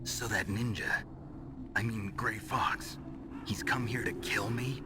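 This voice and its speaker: A man playing a gruff, world-weary soldier in a dramatic video game, with a gravelly hushed delivery and terse, probing questions. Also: fairly low pitch, fairly even intonation, takes it slowly. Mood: guarded, probing. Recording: loud music behind the voice.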